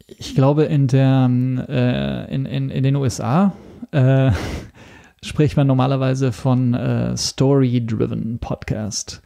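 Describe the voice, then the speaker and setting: A man's voice: mid-range voice, level tone, gravelly, dark tone. A man talking casually as a podcast guest, searching for words and often restarting his phrases. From Italy. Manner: halting, searching for words with repeated starts. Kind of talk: casual interview talk.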